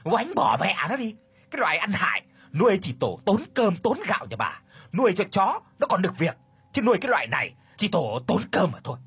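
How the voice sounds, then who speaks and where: Bossy landlady, shrill high scolding, husky edge, played by a man. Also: very animated, brisk, a bit bright, no echo, exaggerated voice. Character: harsh bossy wife of a rich landlord.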